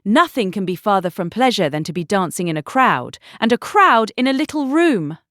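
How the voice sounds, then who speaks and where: An actress playing a spirited, opinionated young gentlewoman, emphatic and articulate, in an audiobook period drama. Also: mid-range voice, sing-song, moderate pace, no echo, clean studio sound. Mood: emphatic objection. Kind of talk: audiobook full-cast period drama acting.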